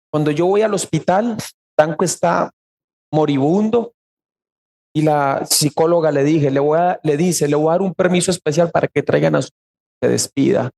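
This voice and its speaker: A Costa Rican pastor, a man, preaching a sermon with a slightly high, gravelly voice. He tells the story earnestly. His voice rises sharply when he quotes other people. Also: dark tone. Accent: Costa Rican Spanish.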